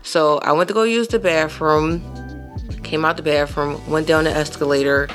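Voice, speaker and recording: A woman in her thirties hosting a podcast, telling a personal story in a casual, animated way with emphatic asides to her listeners. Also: low voice, moderate pace, faint music behind. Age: 30s. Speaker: podcast host.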